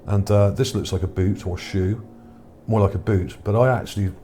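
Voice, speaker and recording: A male video commentator with a low, mellow voice muses over his own image finds at a moderate pace. His unscripted screen commentary is casual, tentative and hesitant, with background noise under the voice.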